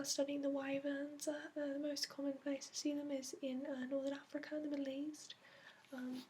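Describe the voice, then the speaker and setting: A gentle dragon scholar acted out by a woman speaks in a soft, high voice for an ASMR fantasy roleplay. The melody stays flat and the explanations wander patiently, with many small hesitations, in a put-on accent. There is some noise behind the voice. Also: lightly acted. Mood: gentle, explanatory. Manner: hesitant, gentle, meandering explanations with frequent fillers. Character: soft-spoken, patient female dragon expert interviewing a new student. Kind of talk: ASMR roleplay, hushed and improvised.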